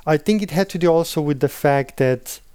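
A man in his thirties, a native Slovenian speaker, talks reflectively in an interview. His voice is mellow and clean, recorded close and dry. He hedges and checks in with the listener often. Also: a little high, a little fast, smooth, no echo. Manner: thoughtful, hedging, often adds "right?" and "in all honesty". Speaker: interview guest.

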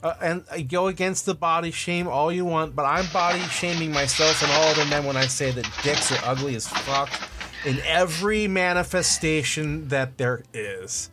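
Rambling, blunt man with a high voice. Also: moderate pace, heavy background noise. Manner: blunt, rambling, self-deprecating. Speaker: podcast co-host. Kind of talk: casual comedic chat.

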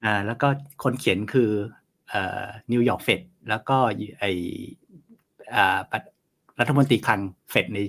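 A man speaks as a guest commentator on a casual live finance talk show. His voice is husky and a little breathy. He rambles in a chatty way, full of fillers. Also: on the low side, measured pace.

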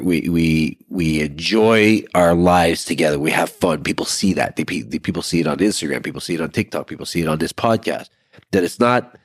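Stuffy-nosed guy in his 40s cohosting a podcast w his wife, real low voice, keeps tripping over his words. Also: dry recording, clean studio sound. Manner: energetic, repeats words as he restarts. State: congested, stuffed-up voice. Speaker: podcast co-host. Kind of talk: casual couple's podcast chat.

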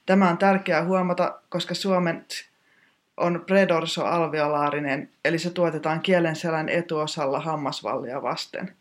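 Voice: mid-range voice, steady tone. Precise, technical pronunciation teacher. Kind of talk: scripted pronunciation lesson.

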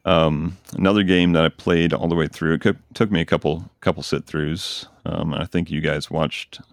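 A man's voice: rumbling low, fairly even intonation, moderate pace, creaky, no echo, clean studio sound. A man hosting a podcast, chatting casually and enthusiastically about games he recommends. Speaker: podcast host. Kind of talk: casual chat.

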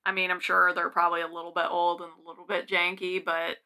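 Creaky, bright young woman chatting. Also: fairly low pitch, monotone, quick pace. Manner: rambling, giggly asides. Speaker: podcast co-host. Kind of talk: casual chat.

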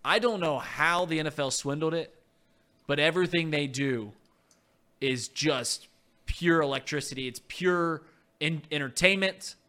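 Male sports co-host, high bright voice, animated opinionated rants. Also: unhurried. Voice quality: high-pitched voice. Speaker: podcast co-host. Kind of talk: casual sports talk.

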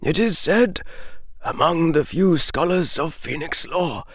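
A man voicing an ancient, grieving male wizard in a storybook reading, speaking in a hushed, breaking voice, slow and halting. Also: a little high, animated, no room sound, studio quality, pitched above the performer's own voice, exaggerated voice. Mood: sorrowful.

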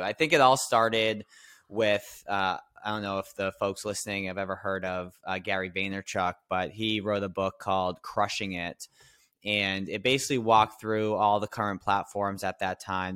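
A man's voice: sits low, fairly even intonation, moderate pace, bright, forceful tone, clear, resonant tone, dry recording, clean studio sound. A man answering as a podcast guest, modest and reflective, thinking aloud as he speaks. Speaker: podcast guest, business coach. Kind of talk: casual interview answers.

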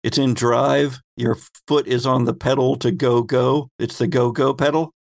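A man's voice: medium pitch, steady tone, moderate pace, vocal fry, dry recording. Man running a tabletop game, close dry sound. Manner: conversational, explains by addressing players as their characters. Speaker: game master and host. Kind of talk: improvised narration of a tabletop roleplaying game.

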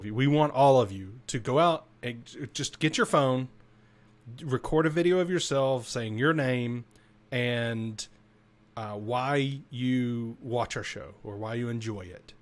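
An upbeat man co-hosts a casual tech podcast, coaxing listeners and often repeating himself. His voice is middle-pitched and plain, with an easy conversational delivery. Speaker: podcast co-host.

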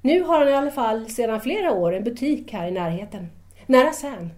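A woman's voice: a little high, expressive, darkish tone, natural voice. A woman acting in an audio drama as a shy, admiring young female student who doubts herself and speaks hesitantly and deferentially. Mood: modest.

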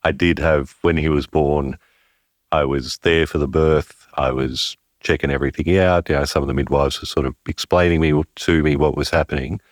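A man with a very deep, resonant voice reflects on becoming a father. He talks in a halting, thoughtful way, pausing and restarting as he works out what he means. The sound is close and dry. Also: no echo. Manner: thoughtful, halting, searching for words. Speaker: father interviewed about parenthood. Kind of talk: reflective interview conversation.

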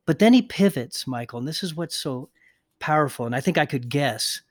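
A man co-hosts a podcast discussion, speaking earnestly and reading quotations aloud with pauses and small restarts. His slightly high voice has lively intonation, and the studio sound is clean with no echo.

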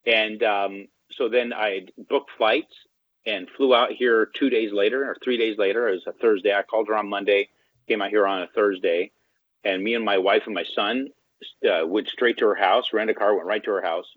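A man's voice: lowish voice, moderate pace, no echo. A man telling a story as an interview guest in a casual way, acting out the dialogue as he goes. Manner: animated, acts out quoted dialogue. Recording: tinny phone-line sound, dry.

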